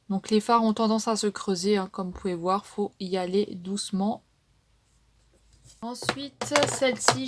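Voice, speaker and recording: A woman's voice: mid-range voice, darkish tone. A woman beauty vlogger casually showing her makeup palettes, chatty and hesitant, with frequent fillers and trailing tags.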